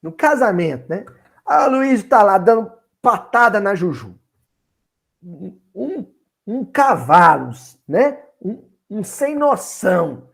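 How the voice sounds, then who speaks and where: A man with a Minas Gerais Brazilian accent giving an expressive Bible study talk. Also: high voice, gravelly. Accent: Minas Gerais Brazilian Portuguese. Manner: animated and expressive, slow and emphatic. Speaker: spiritist Bible study speaker.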